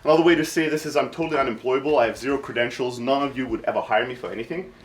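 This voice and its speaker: A man's voice: mid-range voice, rapid-fire. A man in his thirties from Greece, raised in southern Germany, giving an informal workshop talk in a blunt, irreverent, self-deprecating manner while jet-lagged. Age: 30s. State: jet-lagged, short of sleep.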